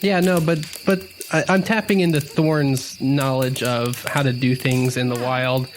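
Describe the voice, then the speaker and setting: A man with a medium-pitched voice talks through his character's actions in a tabletop game. His style is casual and unscripted, with faint noise and crickets behind him. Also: fairly even intonation, a little slow. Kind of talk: casual in-character description during a role-playing game.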